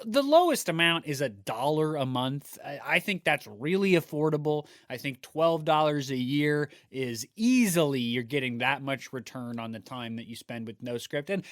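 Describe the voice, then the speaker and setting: A man's voice: fairly high pitch, fairly bright tone, dry recording, clean studio sound. A man from the United States co-hosting a podcast, chatting casually with rambling restarts. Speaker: podcast co-host. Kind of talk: casual podcast chat and sponsor plug.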